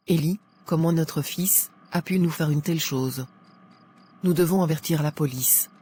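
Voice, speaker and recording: A man's voice: a little high, a little slow, warm tone, husky. A man voicing a worried, indignant Christian mother and pastor's wife in a cartoon. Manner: fretful, indignant. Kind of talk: French-language Christian cartoon acting.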